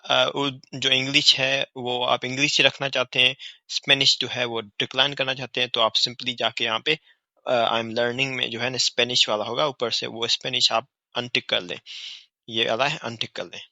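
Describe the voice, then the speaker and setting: A man's voice: mid-range voice, level tone, racing, gravelly, bright, forceful tone, dry recording. A man with a South Asian accent giving an informal, instructional app tutorial, often repeating short phrases and checking that the listener follows. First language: Hindi or Urdu. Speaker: app reviewer and tutorial host.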